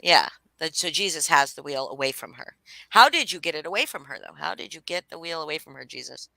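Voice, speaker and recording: A woman's voice: sits low, expressive, fairly quick, creaky, bright, forceful tone, dry recording, rough recording. A woman hosting a casual chat, talking bluntly and animatedly with plenty of swearing. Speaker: host.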